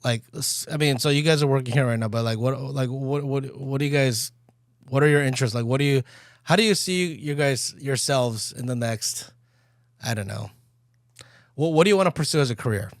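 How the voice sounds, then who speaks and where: A man's voice: medium pitch, brisk, dry recording. A man hosting a casual podcast chat in a small studio, talking loosely with many fillers and restarts. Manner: relaxed, filler-heavy, self-correcting. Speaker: podcast host. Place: small studio room set up by the group. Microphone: boom-arm mic.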